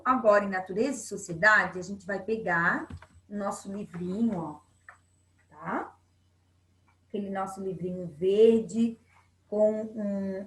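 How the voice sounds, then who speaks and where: A woman's voice: mid-range voice, a bit bright, a little hiss or hum. Brazilian woman, primary school teacher, patient and encouraging, talks to kids on video, room echo. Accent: Brazilian Portuguese. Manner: patient and encouraging, checking in with frequent "tá?". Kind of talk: recorded remote lesson for young children.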